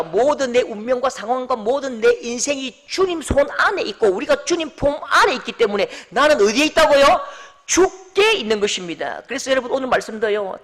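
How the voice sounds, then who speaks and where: A male pastor delivering a sermon, moving from loud exclamations to hushed whispers. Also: very high voice. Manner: impassioned preaching, swings between loud exclamations and hushed whispers. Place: church sanctuary. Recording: long hall reverb.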